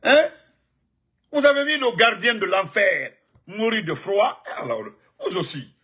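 A man delivering a heated, mocking political monologue, given to sudden high outbursts and laughter. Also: expressive, measured pace, sharp tone, breathy edge. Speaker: political commentator. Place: United States.

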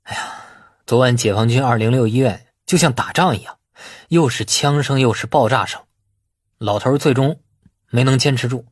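A man voicing a shrewd, self-possessed young man in an audiobook, measured and dryly sardonic. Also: medium pitch, husky, no echo, clean studio sound, close to an everyday voice. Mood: solemn.

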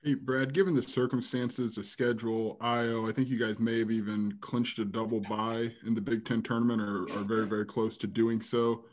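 A man's voice: medium pitch, level tone, normal speed, few pauses. A man, a reporter at a press conference, asking a direct question.

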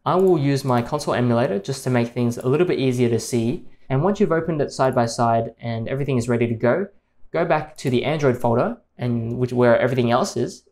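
A man hosting a tech tutorial, calmly explaining each step in a screen-recorded voice-over. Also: medium pitch, quick pace.

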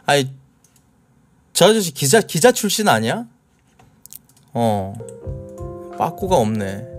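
A man's voice: a little high, big pitch swings, takes it slowly, soft background music. A man casually commenting on clips as a streamer, relaying what he has heard with many hesitant fillers.

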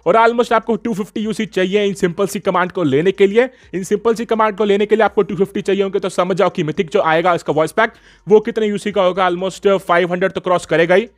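Fast, high-pitched Indian man presenting gaming news. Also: steady tone. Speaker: gaming YouTuber. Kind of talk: casual gaming news voice-over.

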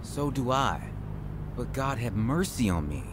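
Slow, earnest Christian man. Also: mid-range voice, very animated, noisy background. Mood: earnest, consoling. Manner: earnest, measured, exhorting. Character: compassionate Christian friend, earnest and patient. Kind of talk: radio drama acting, reciting scripture.

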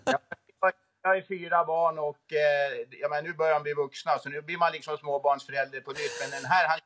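A man's voice: on the high side, fairly even intonation, fairly bright tone. A middle-aged man chatting casually as an interview guest on a video call from home. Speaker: guest, moose park keeper. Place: room at home, indoors. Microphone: phone video call.

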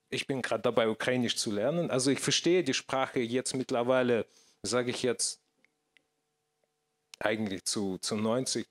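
A man in his thirties with a Russian accent, a guest on a stage panel, talking hesitantly with many restarts into a handheld mic. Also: fairly low pitch. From former Soviet Union. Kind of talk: panel discussion. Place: stage in a small theater, indoors. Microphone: handheld microphone.

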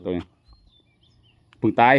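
A man's voice: unhurried, dry recording. Chatty man narrating outdoors. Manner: chatty, addresses viewers as brothers and sisters, laughs easily. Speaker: vlogger. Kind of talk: casual outdoor fishing vlog. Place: outdoors in rural fields. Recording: muffled lo-fi outdoor audio.

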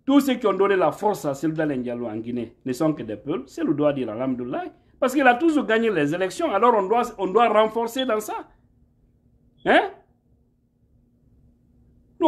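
A man in his thirties with a high voice speaks straight into a phone camera in a room at home. He argues emphatically, pushing each point and tagging questions onto his lines. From Guinea. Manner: emphatic, rhetorical, asks "hein?" often. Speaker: political commentator. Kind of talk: impassioned political monologue. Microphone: phone camera held at arm's length.

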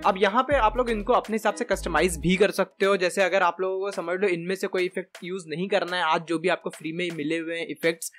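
A man in his twenties giving a casual, chatty software tutorial step by step into a close desk microphone. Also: sits high, fairly even intonation, fast talker, few pauses, faint music behind. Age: 20s. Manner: chatty, informal, explains step by step. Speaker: tutorial host. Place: small indoor room at a desk.

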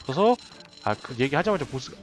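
A man giving excited, running commentary while playing a tower defense game, often laughing and reacting out loud. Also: a little high, fast, faint music behind. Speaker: game streamer. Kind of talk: live gameplay commentary.

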